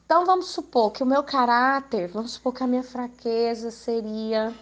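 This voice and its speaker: A woman's voice: a little high, normal speed. A woman with a Brazilian Portuguese accent giving an informal Christian teaching to women, talking conversationally and asking her listeners rhetorical questions. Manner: conversational, asks rhetorical questions, frequent tag questions. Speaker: women's ministry speaker.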